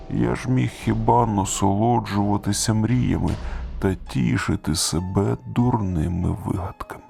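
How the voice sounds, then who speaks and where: A man narrating a first-person horror story in a hushed tone that sinks into whispers. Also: lowish voice, gravelly. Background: faint music.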